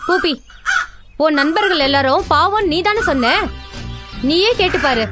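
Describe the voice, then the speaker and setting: A woman's voice: extremely high pitch, lively intonation, measured pace, over loud music. A woman voicing a quarrelsome mother crow in a children's cartoon, emphatic, scolding and accusatory. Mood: angry accusing.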